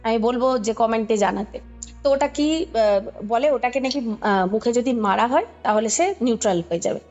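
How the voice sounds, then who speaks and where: High-voiced Bengali woman telling a story. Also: moderate pace, a little mellow, muffled recording, faint music behind. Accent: Kolkata Bengali. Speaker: podcast guest recounting a ghost story. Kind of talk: conversational spoken storytelling.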